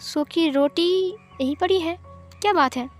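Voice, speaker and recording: A woman voicing a stern, irritable aunt who scolds and nags with sharp questions, in a storybook reading. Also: very high voice, unhurried, soft background music, pitched above the performer's own voice. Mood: scolding.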